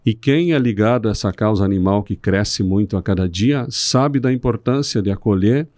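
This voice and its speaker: Measured Brazilian councilman, dry sound. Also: fairly low pitch, a little mellow, dry recording. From Rio Grande do Sul, Brazil. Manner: measured, speechifying with restarts. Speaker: city councilman, guest. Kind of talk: podcast interview.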